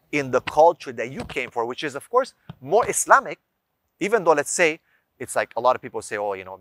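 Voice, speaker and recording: A man's voice: mid-range voice, a bit bright, no room sound. A man giving an informal explanatory talk as a religious advice speaker, teaching emphatically with rhetorical questions and lists of examples. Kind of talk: informal explanatory lecture to viewers.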